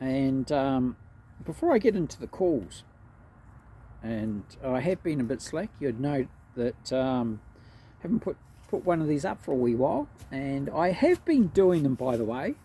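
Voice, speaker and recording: With an Australian accent and a dark, mellow tone, a man talks at a fairly slow pace in a fairly high pitch, his intonation lively and his pauses long and frequent. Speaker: auctioneer. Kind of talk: auction training talk to camera. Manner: casual, conversational.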